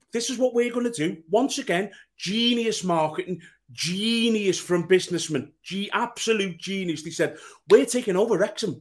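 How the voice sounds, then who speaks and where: High-pitched, insistent man arguing about sport. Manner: insistent, emphatic, repeats key points. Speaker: podcast panellist. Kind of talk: heated sports debate.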